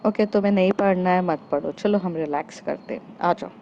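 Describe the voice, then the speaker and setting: Caring young woman teacher, firm yet tender and coaxing, read by a woman narrator, warm and mellow, lo-fi recording with faint noise. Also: lowish voice, a little fast, close to an everyday voice.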